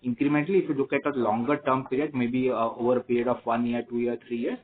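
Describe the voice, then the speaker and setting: A man with an Indian accent, a company executive giving measured, formal answers to analysts on an earnings call. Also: medium pitch, flat delivery. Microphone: conference phone call. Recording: tinny phone line with noise.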